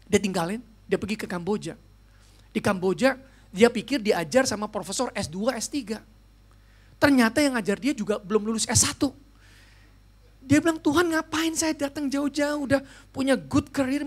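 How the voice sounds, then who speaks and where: A male pastor delivers an emphatic sermon with a gravelly, creaky voice. He slips English phrases into his talk and keeps speaking straight to his congregation. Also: sits high. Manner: emphatic, mixes English phrases into his talk, often addresses listeners as "saudara".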